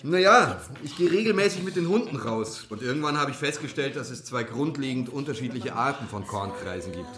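A man's voice: medium pitch, animated, brisk, hardly any pauses, a bit bright, a little hiss or hum, close to an everyday voice. An actor playing a genial activist giving a talk, teasing his audience with questions and wry innuendo in a radio drama. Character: genial, teasing male activist lecturer on crop circles. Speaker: guest speaker. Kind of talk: naturalistic German radio crime drama. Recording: echoey room, audience murmur behind.

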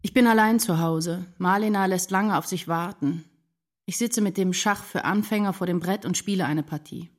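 An actress playing a troubled, introspective woman writer in a literary radio drama monologue, brooding and deliberate. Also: on the low side, close to an everyday voice. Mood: brooding, reflective. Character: troubled, introspective woman writer narrating her inner life. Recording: music behind the voice.

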